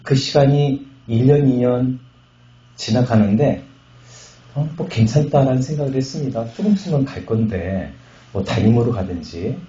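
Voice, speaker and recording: A middle-aged man from Chungcheong Province, a pastor giving a testimony sermon at a revival meeting, telling his story with jokes and loud bursts. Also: medium pitch, moderate pace. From Chungcheong Province, Korea. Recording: echoey hall, slightly muffled sound.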